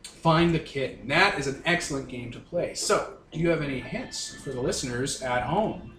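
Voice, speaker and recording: A man playing a breezy, flattering radio talk-show host who chats indulgently with his guests in a showman's patter. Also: mid-range voice, moderate pace, roomy sound, background noise, close to an everyday voice. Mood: chatty, flattering. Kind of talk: radio interview role-play.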